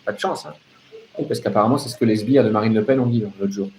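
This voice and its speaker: A man's voice: on the low side, steady tone, very fast, darkish tone, a little hiss or hum. A man delivering an off-the-cuff political rant as a live open-line host, sardonic and emphatic, repeating phrases and throwing out rhetorical questions.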